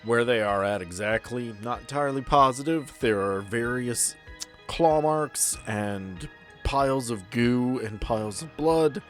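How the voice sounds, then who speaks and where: A man running a tabletop game as game master, describing scenes in a relaxed way with dry humor. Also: mid-range voice, unhurried, faint music behind.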